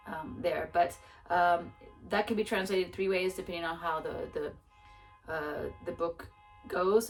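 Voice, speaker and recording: A woman book vlogger chats casually about her reading plans, poking fun at herself and often restarting and laughing. Her voice is on the low side, and she sounds far from the mic.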